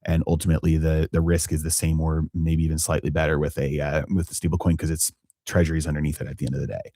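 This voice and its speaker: A man with a very deep voice hosts a live finance stream, thinking aloud with frequent fillers and restarts. The sound is dry and close, with no room around it. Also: level tone, dark tone, dry recording. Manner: halting, many fillers and restarts. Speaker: finance channel host. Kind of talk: live-stream market commentary.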